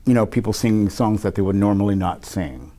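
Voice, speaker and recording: Male guest, low voice, easygoing chatter with frequent laughs. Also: a little fast, warm tone. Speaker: interview guest, performer. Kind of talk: casual interview chat.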